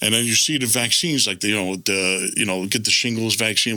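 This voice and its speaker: This man has a New York accent and a bright, sharp tone. He talks at a fairly quick pace. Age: 50s. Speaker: former mobster, show host. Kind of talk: casual chat.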